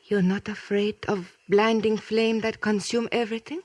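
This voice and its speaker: An actress playing a young Native American woman in love, solemn and tender, speaking halting simplified English in a 1950s radio drama. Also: medium pitch, fairly even intonation, darkish tone, no echo, close to an everyday voice.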